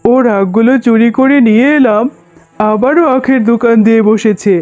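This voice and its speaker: A man's voice: very high voice, steady tone, moderate pace, darkish tone. A man voicing a resentful, scheming tiger shopkeeper and husband in a cartoon, with a grumbling, indignant manner. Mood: angry, indignant. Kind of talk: Bengali cartoon voice acting. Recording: muffled lo-fi sound, music behind. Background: music.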